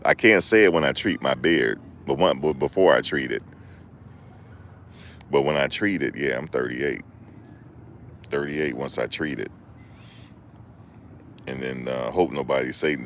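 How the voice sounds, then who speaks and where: A man's voice: a bass voice, a little slow, long pauses, a little hiss or hum. A man hosting a livestream, chatting loosely with his viewers, joking and rambling as he goes. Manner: joking, rambling, talks back to chat. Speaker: livestream host. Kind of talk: casual chat with live viewers.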